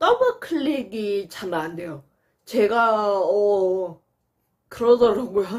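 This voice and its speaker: Her medium-pitched voice lively in intonation, a woman speaks at a very slow pace. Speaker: vlogger with a rare disease. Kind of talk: personal vlog talk. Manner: halting, with fillers.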